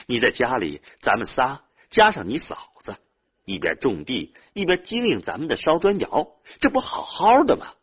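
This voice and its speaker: A man's voice: medium pitch, huge pitch swings, normal speed, husky, dull audio, voice pushed up. A man voicing a hardworking young village man who scolds his younger brother in a raised voice. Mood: angry scolding.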